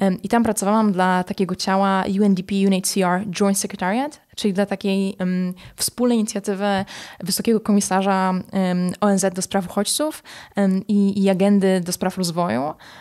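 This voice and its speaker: Intonation stays fairly even as a woman talks at a moderate pace, with a quiet background behind her. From Poland, Łódź. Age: 20s. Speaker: humanitarian aid worker. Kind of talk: interview conversation. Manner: halting, repeats words. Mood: calm, smiling, modest. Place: studio. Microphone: studio mic.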